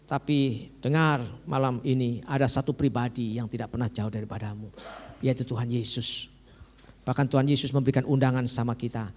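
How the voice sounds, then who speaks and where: A man with an East Javanese accent preaching a sermon as a pastor, telling the story lively. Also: a little high. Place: church hall. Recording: reverberant church hall.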